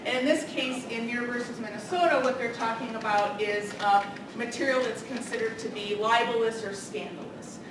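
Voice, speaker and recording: A loud, energetic middle-aged woman lectures on political science in a big carpeted meeting room. Her voice sits a little high and carries. It is caught by a camera at the back, so it sounds distant and very echoey over a noisy hiss. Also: normal speed, few pauses. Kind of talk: public lecture.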